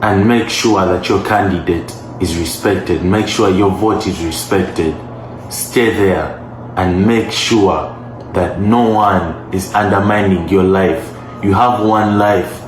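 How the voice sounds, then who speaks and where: A man's voice: low voice, steady tone, slow, background noise. A man delivering a political rally speech, pressing his point through insistent, repeated exhortations. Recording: echoey, with faint music behind.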